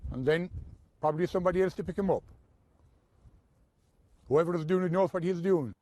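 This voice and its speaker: A man's voice: high-pitched, fairly quick, mellow. A man who farms sheep, speaking in a heavy Kerry Irish accent, rambling and hard to follow in a news interview. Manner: heavy rural dialect, rambling. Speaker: sheep farmer.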